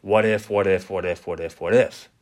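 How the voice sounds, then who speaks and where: A young man talking on a casual podcast with a fairly low voice. He speaks in a reflective, easygoing way and often fills with "you know". His talk turns to faith and letting things go. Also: fairly even intonation, moderate pace. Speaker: podcast co-host. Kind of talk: casual chat.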